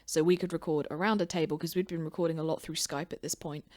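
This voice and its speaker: A woman's voice: low-pitched, fairly even intonation, fast talker, a little mellow. A woman from the UK co-hosting a podcast, recapping a tabletop game in playful, teasing banter. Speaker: podcast co-host.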